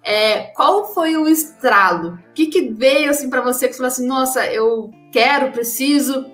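A woman's voice: high-pitched, moderate pace, a bit bright, soft background music. A woman co-hosting a podcast who chats casually and asks long, rambling questions. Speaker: podcast co-host.

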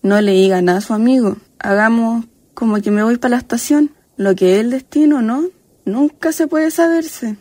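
A woman's voice: a little high, normal speed, a little mellow, no room sound, close to an everyday voice. A woman with a Chilean accent playing a folksy, chatty countrywoman ghost who is fond of a drink, in a radio drama. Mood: joyful, relieved. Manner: folksy, chatty, affectionate diminutives.

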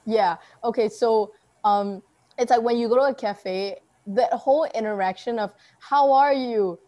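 A young woman from Singapore with a softened Singaporean accent, chatting casually as a podcast host with quick asides. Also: on the high side. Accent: Singaporean, softened toward American. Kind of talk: casual conversation.

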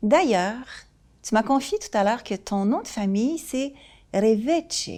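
A woman, interviewing a guest and gently prompting her with short questions. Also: a little high, lively intonation, normal speed. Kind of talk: conversational interview.

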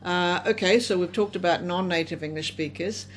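A woman's voice: lowish voice, normal speed, slight background noise. A woman moderating a conversational discussion, putting questions and responding.

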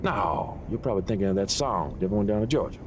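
A man's voice: on the low side, animated, fast, darkish tone, close to an everyday voice. A man playing a folksy storyteller with a Southern US accent, spinning spooky family tales in an audio drama. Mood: teasing, bossy. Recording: noisy, with outdoor-like ambience.

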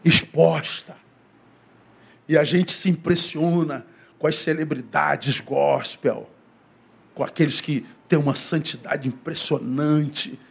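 A male pastor from Brazil delivers a sermon in a loose, joking, conversational way, poking fun at showy prayers. His voice sits high and sounds husky. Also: fairly even intonation, takes it slowly. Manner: humorous, mimics worshippers' pompous prayers in a slangy conversational preaching.

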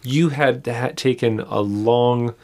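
A man's voice: mid-range voice, slow, gravelly, darkish tone. A man hosting a podcast, asking questions in a casual, encouraging way with many short affirmations, recorded in a trailer. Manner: encouraging, frequent short backchannels. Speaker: podcast host. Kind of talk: casual interview. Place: trailer with wind and flags outside.

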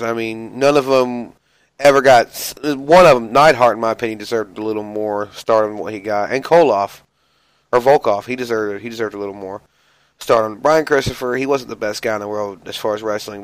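A man's voice: lowish voice, steady tone, a little fast, no echo, low-quality recording. A man hosting a casual wrestling podcast while sick and coughing, joking boastfully about his own greatness. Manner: boastful, joking self-praise. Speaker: podcast host.

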